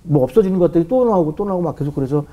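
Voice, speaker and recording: Lively, husky middle-aged man telling stories. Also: fairly high pitch, racing, lo-fi sound. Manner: acts out voices and sound effects in his story. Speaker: guest telling a life story. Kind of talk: animated storytelling on a talk show.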